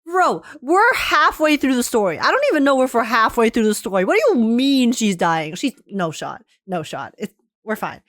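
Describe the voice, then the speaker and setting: Expressive high-voiced woman reacting to a game. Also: moderate pace, no room sound, studio quality. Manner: expressive, emotionally invested, slangy. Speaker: game streamer. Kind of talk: live gameplay reaction commentary.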